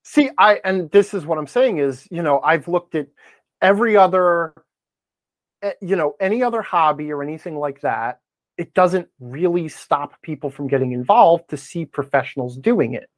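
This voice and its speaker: Male podcast guest, middle-aged, very lively intonation, assertive debater, dry close sound. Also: fairly high pitch, normal speed, no room sound. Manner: assertive, interjecting, questions the other speaker pointedly. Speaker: podcast guest, game-advice blogger. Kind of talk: animated conversational debate.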